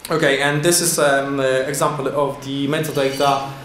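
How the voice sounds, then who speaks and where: Brief: male conference presenter, mid-pitched, halting English with lots of fillers, lectern mic in an echoey hall with faint room noise. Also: level tone, fairly bright tone. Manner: halting non-native English with many fillers and restarts. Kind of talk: conference talk with slides. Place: large indoor conference hall. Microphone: lectern microphone at a podium.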